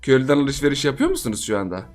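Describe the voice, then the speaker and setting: A man's voice: medium pitch, huge pitch swings, racing. Guy hosting his game channel, chatty and jokey, laughs a lot, talks right to the viewers, light music in the back. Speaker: gaming channel host. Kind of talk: playful gameplay commentary.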